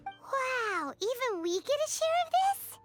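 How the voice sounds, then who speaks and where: A woman's voice: lively intonation, measured pace. A woman voicing a tiny childlike female companion creature who speaks of herself by name, over game music. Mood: cheeky. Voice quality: high and squeaky. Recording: game audio with loud music behind.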